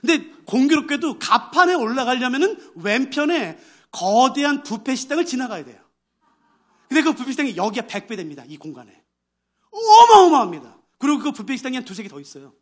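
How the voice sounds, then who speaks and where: High, lively male preacher. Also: a little fast. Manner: animated storytelling, acting out the voices of its characters. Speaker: pastor. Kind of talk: sermon.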